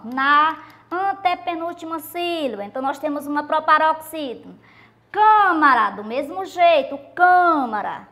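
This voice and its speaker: A woman's voice: high voice, sharp tone. A woman teacher with a Brazilian Portuguese accent giving a recorded video lesson, explaining patiently and drawing out the stressed syllables of example words. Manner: patient, repetitive explaining to students.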